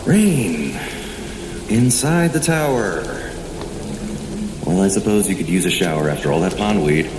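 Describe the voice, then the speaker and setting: A man's voice: low voice, expressive, unhurried, pauses often. A man playing a self-assured, erudite sorcerer in an audio drama, wry and theatrical as he talks things through to himself. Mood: curious, exasperated. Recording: echoey room with noisy ambience behind.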